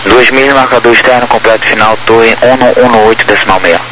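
A man's voice: medium pitch, fairly even intonation, a little fast. A man with a Brazilian accent, working as an air traffic controller and giving terse, clipped instructions over a two-way radio. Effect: heard over a two-way radio. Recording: noisy radio transmission.

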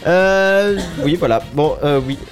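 A man's voice: fairly high pitch, slow. A man co-hosting a casual live web radio show in French, chatty and laughing often as he runs a music quiz. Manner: laughing, chatty, lively intonation.

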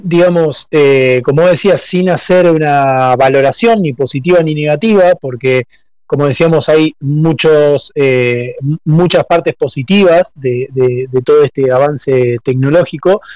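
A man's voice: on the high side, a little mellow, no echo, poor audio. A man in a cultural discussion, speaking thoughtfully with frequent hesitations. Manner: thoughtful, hesitant, uses voseo.

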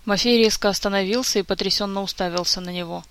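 An audiobook narrator reading a fantasy story in a steady, even way. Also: mid-range voice, fast, clear, resonant tone.

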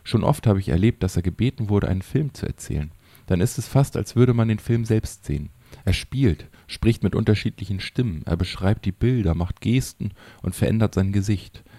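A man's voice: lowish voice, expressive, moderate pace, gravelly, dark tone, no room sound. A man reading a chatty old village woman. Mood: fond.

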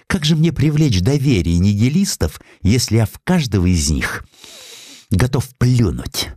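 A meek provincial clerk, played by a male narrator in a historical audio drama. He is anxious and obsequious, his pitch climbing in pleading swoops over a soft, dry tone. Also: big pitch swings, a little slow, no room sound. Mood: overwrought.

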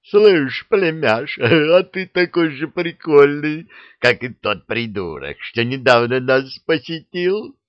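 Guy putting on a silly squeaky dragon head, giggles a lot, slow and bouncy, dull dry sound. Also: animated, dry recording. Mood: giddy. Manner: high, giggly, drawn-out. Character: giddy giggling dragon head, male, childish.

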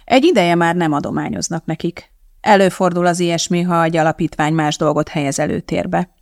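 Castingnote: a reader playing an earnest, hesitant reverend, gravelly, dry audiobook read. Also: male voice, a little high, no room sound. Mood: gentle. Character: eager, earnest male reverend.

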